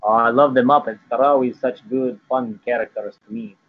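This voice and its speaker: A man playing a laid-back, crude vampire cat count in an improvised comedy interview, rambling in deadpan slang. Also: mid-range voice, fairly quick, a crowd in the background, natural voice. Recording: tinny phone-like line with noise.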